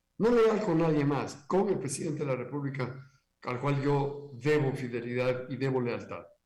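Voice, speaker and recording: Ordinary pitch variation and a moderate pace come through with audible room echo. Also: man, fairly high pitch for a man. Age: 70s. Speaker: government official, former university rector. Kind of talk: radio interview. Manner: halting.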